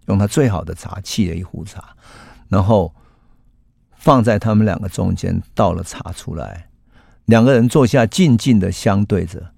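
A man, hosting a historical storytelling podcast in an unhurried, reflective way. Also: low-pitched, creaky, warm tone, no echo, clean studio sound. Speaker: host and storyteller.

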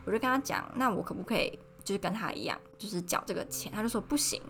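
A young woman tells a personal story in a casual podcast monologue, acting out the people she quotes in a higher voice. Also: rapid-fire, over music. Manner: animated, acts out quoted people with raised pitch. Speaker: podcast host.

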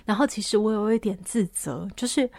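Speaking fairly quickly in a mid-range voice, a female counselor and podcast host recounts something from her own life, lively and full of laughter, her volume rising and falling. There's no echo on the audio.

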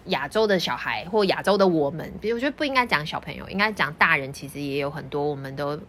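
A woman with a Taiwanese Mandarin accent hosting a casual interview, chatty, inquisitive and expressive. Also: deep voice, quick pace. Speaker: podcast host and teacher.

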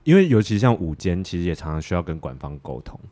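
Deep-voiced, fast, lively Taiwanese man. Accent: Taiwanese Mandarin. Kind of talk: casual podcast chat about theatre work.

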